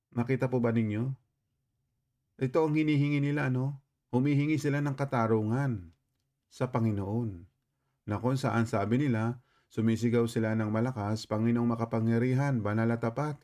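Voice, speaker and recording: A man teaches a Bible passage in an even, middle-range voice. His manner is courteous and full of respectful particles. He keeps putting questions back to the listeners and asks whether it is clear. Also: mid-range voice. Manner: questioning, repeatedly checking understanding with listeners; polite, with frequent respectful particles. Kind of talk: explaining scripture to listeners.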